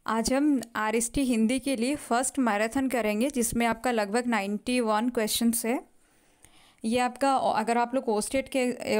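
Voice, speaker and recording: A woman's voice: fairly high pitch, a little mellow. A woman teacher, patiently going through exam multiple-choice questions and repeating each answer. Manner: explains patiently, repeats each answer, often says "thik hai".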